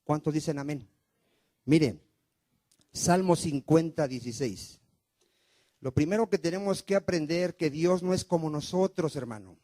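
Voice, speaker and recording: Warm-voiced pastor preaching. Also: male voice, on the high side, normal speed, pauses often, no echo. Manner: fires rhetorical questions at the congregation, call and response. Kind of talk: sermon. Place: church.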